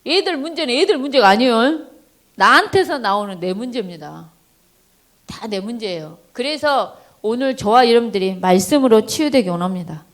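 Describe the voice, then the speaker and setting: Woman preaching to a church crowd about parenting, fairly high voice that jumps around a lot, animated. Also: normal speed. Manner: addresses the congregation directly. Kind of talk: sermon-style talk to parents. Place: church service.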